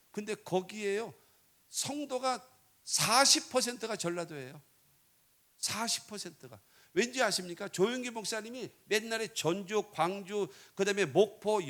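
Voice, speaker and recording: High-voiced folksy Korean pastor preaching. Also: male voice. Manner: folksy, joking, swings between loud and quiet. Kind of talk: revival sermon.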